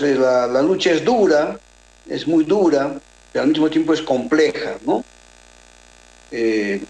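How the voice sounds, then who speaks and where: Peruvian man, measured, echoey remote line. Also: a little high. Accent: Peruvian Spanish. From southern Peru. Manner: measured, hesitant, many filler pauses and restarts. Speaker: guest. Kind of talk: radio interview, political analysis. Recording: roomy echo.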